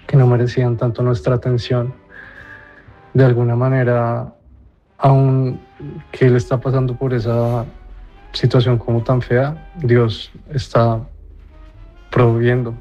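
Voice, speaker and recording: A man's voice: mid-range voice, highs cut off. A man with a Colombian accent leaving a casual spoken message, speaking in a hesitant, reflective and earnest way. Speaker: call-in listener leaving a message, personal trainer.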